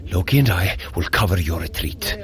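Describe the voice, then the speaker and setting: An actor playing a brave, protective Norse thunder god in an audio drama, speaking in a solemn, formal, declamatory way. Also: male voice, low voice, lively intonation, normal speed. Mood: urgent, earnest. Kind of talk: scripted audio drama acting.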